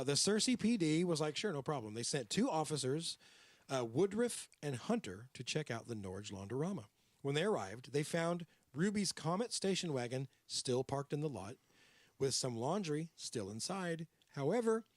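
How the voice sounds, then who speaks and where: A man's voice: mid-range voice, no room sound. A man hosting a podcast, telling a true-crime story and slipping into character voices. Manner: animated, drops into character voices. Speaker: podcast host.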